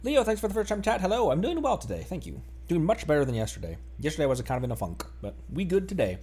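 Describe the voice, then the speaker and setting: A man's voice: a little high, fast talker, slightly rough. A man with an American accent chatting casually and playfully as he livestreams a video game. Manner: playful, joking, expressive. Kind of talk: casual chat while streaming a game.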